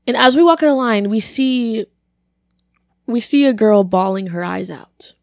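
A young woman, a college student, telling a story in casual chat, her voice deeper than usual and a bit congested, with lots of "like" and acted-out quotes. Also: unhurried, dry recording, studio quality. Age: young adult. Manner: chatty, animated, lots of "like", acts out quotes.

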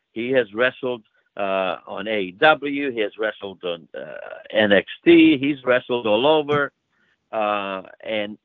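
A man's voice: medium pitch, no echo. An older man with a Greek accent, a wrestling promoter, telling stories in a casual interview with lots of fillers. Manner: warm storytelling with frequent fillers. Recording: tinny phone line.

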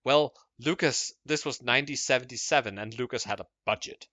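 A man's voice: medium pitch, fairly quick, sharp tone, dry recording. A man co-hosting a casual podcast chat, talking in an emphatic, provocative way.

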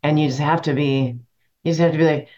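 Chatty low-voiced woman, dull sound. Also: fairly even intonation, fast, darkish tone. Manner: chatty, rambling with fillers. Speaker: podcast guest. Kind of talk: casual chat.

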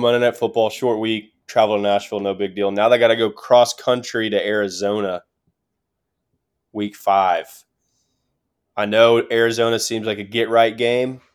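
Guy with a lowish voice talking sports on a podcast, short punchy lines, kinda emphatic. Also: fairly even intonation, moderate pace, long pauses, clear, resonant tone. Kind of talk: casual sports commentary.

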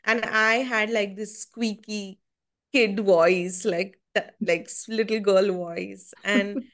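Twentysomething woman telling lively stories. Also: mid-range voice, takes it slowly. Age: 20s. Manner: animated storytelling, acts out quotes. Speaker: podcast guest. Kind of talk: casual interview chat.

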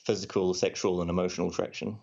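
New Zealand man, lowish voice, dull lo-fi recording, dry casual podcast guest. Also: flat delivery, quick pace, creaky, a little mellow. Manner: dry, joking, explanatory. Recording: dull lo-fi audio.

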